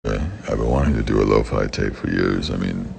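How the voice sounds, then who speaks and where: A young man with a very deep, raspy voice, answering fan questions in blunt, profane casual talk. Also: quick pace, darkish tone. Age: young adult. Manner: blunt and profane, with frequent swearing. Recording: background noise.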